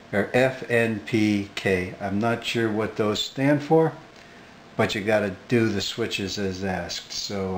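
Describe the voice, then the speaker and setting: A man talking casually about his hobby, unhurried and hesitant, with lots of fillers, in a home workshop. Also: lowish voice, a little hiss or hum. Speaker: hobbyist radio collector. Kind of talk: casual talk to camera.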